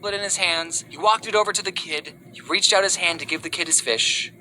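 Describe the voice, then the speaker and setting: A young American man narrating a scripted comedic story with a wry, animated, exaggerated delivery. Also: high voice, a little fast, a little hiss or hum, low-quality recording.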